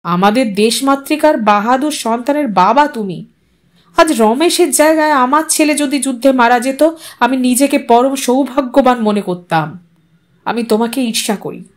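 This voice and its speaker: A woman's voice: sits high, animated, moderate pace. A woman voicing a middle-aged male politician, self-important and unctuous, speaking with authority and dropping in English words. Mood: grandiose praise.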